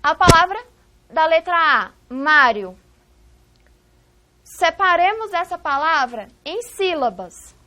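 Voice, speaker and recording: A woman's voice: very high voice, lively intonation, slow, pauses often, sharp tone. A woman with a Brazilian Portuguese accent teaching a recorded video lesson, posing questions to the class and answering them herself. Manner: didactic, asks rhetorical questions and answers them.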